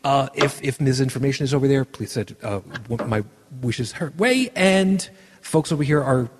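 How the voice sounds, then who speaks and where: Husky podcast host in reverb. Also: male voice, mid-range voice, expressive, normal speed. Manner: rambling, many "uh" fillers. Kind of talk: casual chat and show sign-off.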